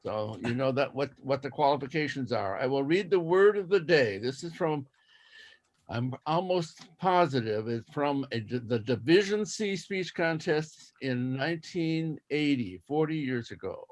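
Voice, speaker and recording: A man acting as toastmaster of a speech contest, explaining rules methodically and repeating himself deliberately. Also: mid-range voice, expressive.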